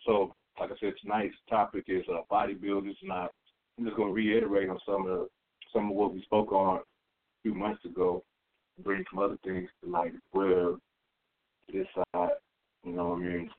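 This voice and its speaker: A man leads a meditation class in a fairly low voice that rises and falls in a lively way. His delivery is informal and rambling, with colloquial asides. The recording is dull and lo-fi. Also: normal speed. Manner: rambling, colloquial, frequent tag questions. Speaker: meditation teacher leading a class. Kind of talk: spoken guided meditation lesson, informal. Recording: dull lo-fi audio.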